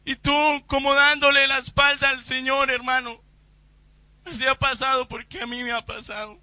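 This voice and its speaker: A man preaching a Pentecostal sermon in church, fervent and rising to shouts during prayer, on a close microphone. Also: extremely high pitch, level tone, moderate pace, dry recording. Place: church service.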